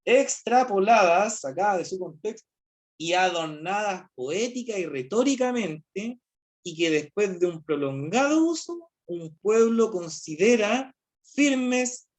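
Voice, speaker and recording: A man's voice: high-pitched, expressive, slow. A man with a Chilean accent teaching philosophy over a video call. He explains the text step by step and keeps checking in with his class using rhetorical questions. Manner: explanatory, asks rhetorical questions, often says "¿cierto?". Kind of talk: online class lecture.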